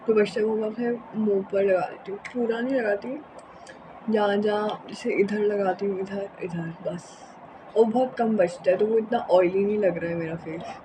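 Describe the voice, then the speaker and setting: A young woman with a hoarse, sore throat chats casually and unscripted in a rambling home vlog, mixing in English words. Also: medium pitch, background noise. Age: young adult. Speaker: vlogger. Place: indoors in a room at home.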